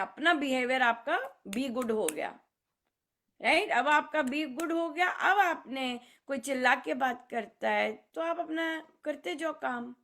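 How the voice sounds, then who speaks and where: Woman giving a spiritual talk, high voice, slow, hindi mixed with english phrases. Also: a bit bright. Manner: unhurried, mixing Hindi and English, acting out scolding voices. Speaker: spiritual speaker.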